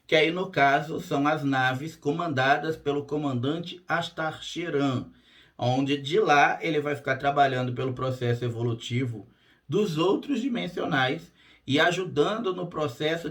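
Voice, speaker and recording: A hoarse man hosting his own channel as a spiritual therapist, talking straight to camera in a plain, direct way, often checking in with his listeners. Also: a little high, a bit bright. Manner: direct and plain-spoken, frequent "tá?" check-ins. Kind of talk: casual monologue to camera.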